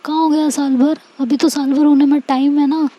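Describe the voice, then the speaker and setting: A woman's voice: high voice, flat delivery, a little fast, warm tone, voice pushed up, natural voice. A woman voicing a defensive, stubborn young woman who protests and pleads.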